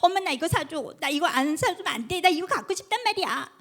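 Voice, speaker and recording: Whiny young child, high and sing-song, insistent, as a woman puts it on. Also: lively intonation, quick pace, fairly bright tone. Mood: whining. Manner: whining, insistent.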